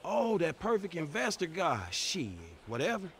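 A man's voice: high voice, sing-song, moderate pace. An actor playing a streetwise, confrontational young man from the hood in a video game, slangy, sweary and incredulous. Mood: casual banter. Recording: loud noise behind the voice.

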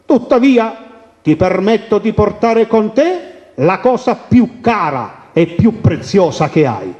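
A man's voice: high-pitched, sing-song, slow, darkish tone, full character voice. A man doing a proud, commanding king. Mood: scornful. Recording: dull radio recording with long reverb.

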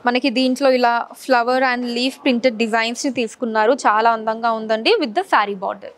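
A woman's voice: fairly high pitch, a little slow. Woman showcasing sarees. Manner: steady, polite listing of colors and prices. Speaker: saree store presenter. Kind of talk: product showcase. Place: large saree showroom, indoors.

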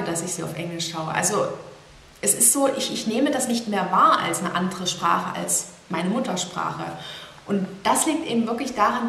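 A young woman sits at her desk and talks straight into a camera in front of her, reflective and a little rambling as she works through her thoughts. Her voice rings in a small, echoey room, with a faint hiss running underneath. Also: medium pitch. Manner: thoughtful, rambling, gestures a lot. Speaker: blogger. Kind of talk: casual talking-head vlog. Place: small indoor room with plain wall.

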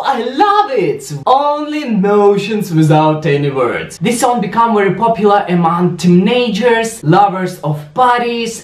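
A young man with a Ukrainian accent, native in Russian and Ukrainian, hosting a lively music reaction vlog to camera in a small room. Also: extremely high pitch. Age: young adult. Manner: exuberant, exclamatory, gesturing a lot. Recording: roomy echo, faint music behind.

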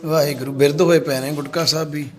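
A man volunteering with a social service group, talking gently and coaxing, with soothing phrases he says again and again. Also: fairly high pitch, fairly even intonation, fast talker. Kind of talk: on-location coaxing talk.

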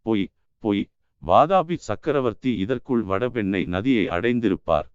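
A man's voice: fairly low pitch, lively intonation, a little slow, clear, resonant tone, dry recording, dull audio. Scornful jealous army general, read by a man. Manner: scornful, curt.

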